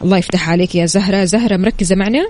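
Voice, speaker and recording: A man's voice: sits high, very fast, darkish tone. A chatty man with a Saudi accent hosting live radio in a familiar style, moving between caller chat, announcements and news. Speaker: radio host. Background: music bed.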